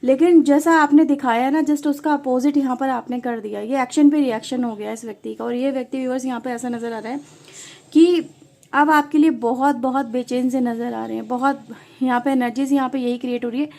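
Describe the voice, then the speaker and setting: Woman, high and mellow voice; chatty tarot reader talking to viewers. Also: steady tone, a little fast, creaky. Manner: conversational, mixes English words, addresses viewers often. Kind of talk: casual tarot reading to viewers.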